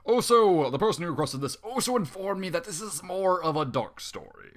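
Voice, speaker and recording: Animated, bright-voiced man reading aloud. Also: high voice, a little fast. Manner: exasperated, swearing outbursts between narration. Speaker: fanfiction reader. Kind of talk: dramatic story reading with comic reactions.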